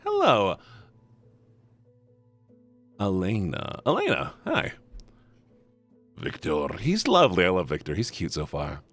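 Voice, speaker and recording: Male streamer, deep voice, very lively pitch; reads game text and chats with viewers; faint music underneath. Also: slow, long pauses. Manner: animated, jumps between reading aloud and chatty asides to chat. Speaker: streamer voicing a visual novel. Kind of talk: live stream reading and reacting.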